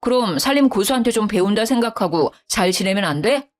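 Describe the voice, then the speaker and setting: A woman's voice: medium pitch, animated, brisk, close to an everyday voice. A woman voicing an irritable young husband who takes his mother's side and reproaches his wife. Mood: reproachful. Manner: sulky, reproachful.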